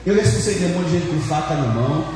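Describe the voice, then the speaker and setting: Animated preacher in an echoing church. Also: male voice, a little high, quick pace, very noisy. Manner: animated, repetitive, many fillers. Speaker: pastor. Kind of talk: sermon with personal storytelling. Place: church hall. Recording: echoey church hall, mic far off.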